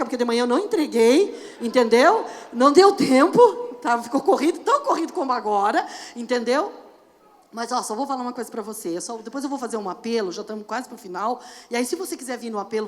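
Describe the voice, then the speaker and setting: A woman pastor preaching a lively, conversational sermon and often checking in with the congregation. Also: sits high. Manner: animated and conversational, often asks the audience "entendeu?". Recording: long church reverb.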